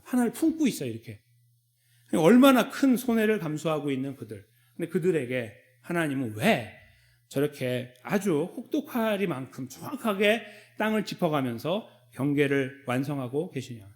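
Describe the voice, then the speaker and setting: A man's voice: on the high side, a little mellow. A man preaching a Sunday sermon as a pastor, in a conversational way, acting out short dialogues between God and the people. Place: church sanctuary.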